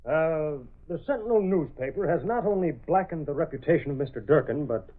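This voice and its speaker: An actor playing a corrupt, smooth-talking male city inspector in a 1930s radio drama, calm and calculating, on a tinny old broadcast. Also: a little high, a little fast. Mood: scheming.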